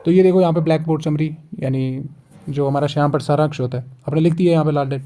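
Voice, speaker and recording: Mellow-voiced young male teacher. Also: on the high side, steady tone. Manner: repeats checks like "theek hai", reads written lines slowly. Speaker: teacher explaining a lesson plan. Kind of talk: casual teaching walkthrough, mixing Hindi and English.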